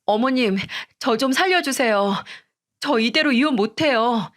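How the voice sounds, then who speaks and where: A woman's voice: on the high side, lively intonation, moderate pace, fairly bright tone, voice pushed up. A woman doing a whiny selfish daughter-in-law. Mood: pleading. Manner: whiny, pleading and defiant. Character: selfish defiant young wife, daughter-in-law.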